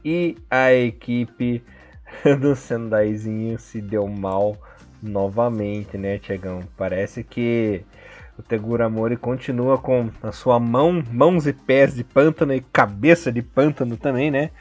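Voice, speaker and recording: A man's voice: medium pitch, fairly even intonation, measured pace, faint music behind. Joking man on a lo-fi podcast. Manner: joking, teasing. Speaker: podcast co-host. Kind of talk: casual football chat.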